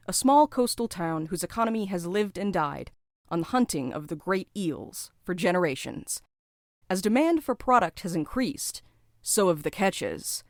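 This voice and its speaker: A woman's voice: mid-range voice, no room sound, clean studio sound. A woman reading a scripted promo as a podcast host.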